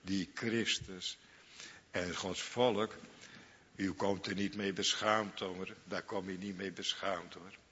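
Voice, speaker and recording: A low-voiced man preaches with great fervour, stretching out every phrase at a very slow pace. His bright tone rings through a long church reverb. The recording is slightly muffled and has a faint background hiss. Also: steady tone. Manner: fervent, repetitive, lingering on each phrase. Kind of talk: sermon.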